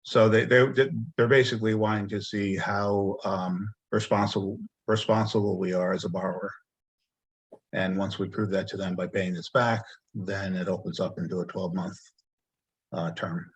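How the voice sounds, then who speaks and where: A man presenting a loan at an online board meeting, talking haltingly with many restarts while losing his voice and clearing his throat. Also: low-pitched, fairly even intonation, poor audio. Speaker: land bank staff presenting a loan.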